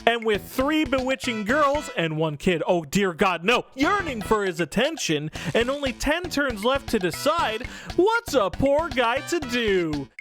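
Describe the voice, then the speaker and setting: A man's voice: very high voice, sing-song, unhurried, a bit bright. A man hosting a scripted comedic review, talking casually with swearing and exaggerated emphasis over music. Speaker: video host and game reviewer. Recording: music under the voice. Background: background music.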